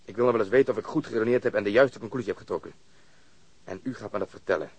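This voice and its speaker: Low-voiced, fast-talking stubborn police detective. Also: male voice, breathy edge, dry recording. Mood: stubborn, menacing. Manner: blunt, insistent interrogating. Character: stubborn, sardonic male police detective pressing a witness. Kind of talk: radio drama acting.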